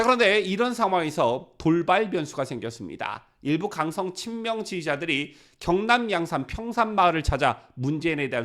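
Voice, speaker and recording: Lively high-voiced Korean news commentator. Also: male voice. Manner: lively, rhetorical questions to viewers.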